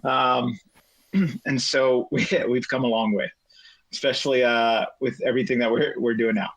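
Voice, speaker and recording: A man's voice: mid-range voice, fairly even intonation, normal speed, gravelly, fairly bright tone, low-quality recording. A middle-aged man, a guest telling his life story in a casual chat, rambling with many fillers. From United States.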